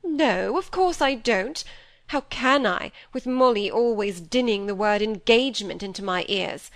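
A woman's voice: a little high, expressive, measured pace. A woman voicing a self-pitying, fussy middle-aged stepmother who gushes and complains. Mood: fretful.

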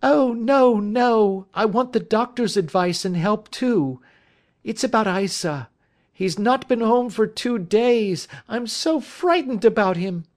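A frightened woman pleads in a high, strained voice that rises well above the reader's own, as a male narrator puts her on. She sounds tearful and urgent. The tone is louder and more forceful than the steady narration, like a storybook reading. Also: slow. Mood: distressed. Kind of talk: audiobook character voice.

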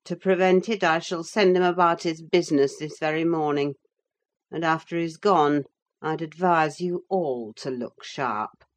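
Woman reading a curt, scornful young master, low. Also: unhurried.

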